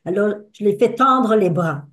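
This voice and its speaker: A woman's voice: mid-range voice, unhurried. An older woman giving a personal testimony to an audience, telling stories expressively and acting out the dialogue. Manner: expressive storyteller who acts out the dialogue. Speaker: speaker at a talk with audience discussion.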